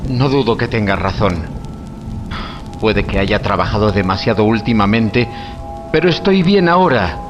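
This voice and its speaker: Male actor as eccentric, erudite young scholar for horror radio play; mid-low pitch, dulled sound over prominent music. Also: expressive, normal speed, pauses often, muffled recording, lightly acted. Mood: shaken, defensive. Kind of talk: audio horror drama acting.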